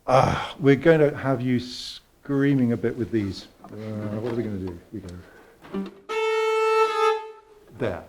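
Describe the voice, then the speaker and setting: A man teaching a viola masterclass, coaching a student with lively encouragement and sung phrases. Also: medium pitch, slow pace, long pauses. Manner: animated, sings phrases and encourages. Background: viola and piano playing.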